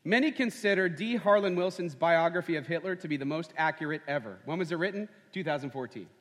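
A man's voice: a little high, quick pace, fairly bright tone. A man preaching a sermon as pastor, conversational and full of rhetorical questions. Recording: long hall reverb.

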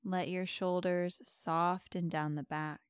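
Soft and soothing, a meditation podcast host leads a guided mindfulness session in a smooth, slightly low voice that barely varies in pitch. Her gentle instructions come slowly, with long, spacious pauses. The audio is clean, close, clear and free of echo.

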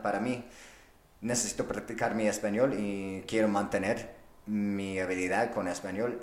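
Slow non-native man in an echoey room. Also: lowish voice. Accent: English-speaking foreigner's. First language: English. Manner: halting, searching for words, slips into English words. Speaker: podcast host. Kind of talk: unscripted solo podcast talk. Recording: roomy, echoing sound.

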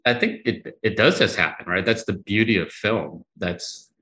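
A man in his thirties from Massachusetts, a guest answering thoughtfully with many pauses and fillers. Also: fairly low pitch, bright, forceful tone. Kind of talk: conversational interview.

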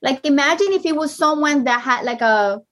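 Colombian woman telling a lively story. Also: high-pitched, normal speed. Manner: animated storyteller, acts out phone calls, frequent "like". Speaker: business owner guest. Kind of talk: casual interview storytelling.

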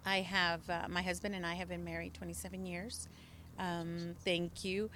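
A woman's voice: lowish voice, little pitch movement, normal speed, a bit bright, slight background noise. A middle-aged woman from a border city, a native Spanish speaker, speaking earnestly and emphatically as an interview guest outdoors. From El Paso, Texas border region. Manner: earnest, emphatic, some restarts. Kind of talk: impassioned political testimony.

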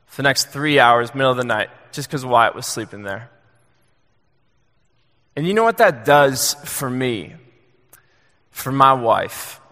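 A young adult man preaching a sermon in a church, earnest and halting, with many fillers and restarts. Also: mid-range voice, pushed and bright. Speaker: pastor. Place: church sanctuary. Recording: long hall reverb.

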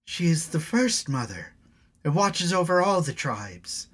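A man's voice: big pitch swings, measured pace, a bit bright, husky, full character voice. A man doing a desperate young tribal woman. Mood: pleading. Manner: pleading, rising to shrill cries.

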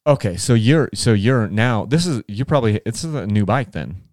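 Low-voiced man, rambling interviewer. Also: lively intonation, normal speed, a little mellow, no room sound, studio quality. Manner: rambling, restarts questions often. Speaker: podcast host. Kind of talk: casual interview.

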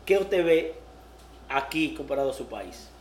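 A woman's voice: rumbling low, sing-song, unhurried, darkish tone. A woman born in the United States hosting a casual interview, often repeating words and laughing easily. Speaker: podcast host. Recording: echoey room with faint noise.

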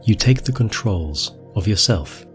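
A man's voice: lowish voice, animated, measured pace. A man narrating a scripted guided visualization, speaking directly to the listener in an instructive way. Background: music.

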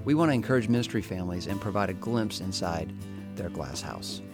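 A man's voice: low voice, animated, brisk, over music. A man co-hosting a ministry podcast, introducing guests and asking questions in an earnest, conversational way. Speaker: podcast co-host. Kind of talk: podcast interview.

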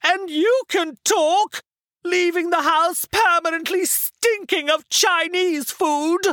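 A man voicing a camp, theatrical gentleman with a plummy upper-class English accent and grandiose, over-dramatic delivery in an audiobook. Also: very high-pitched, slow, no echo, studio quality, pitched above the performer's own voice, heavily acted. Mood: indignant.

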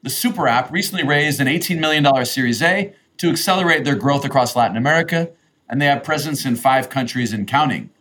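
A man's voice: medium pitch, fast talker, a bit bright. A man co-hosting a podcast, reading a polished introduction of the guest and asking questions. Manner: polished, read-aloud introduction. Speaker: podcast co-host. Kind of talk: scripted intro then interview questions.

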